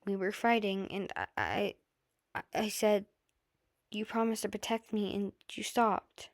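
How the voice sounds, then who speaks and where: A woman voicing a shaken, devoted teenage boy student in a fan story, halting and imploring. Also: medium pitch, steady tone, gravelly, no room sound, clean studio sound. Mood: shaken, earnest.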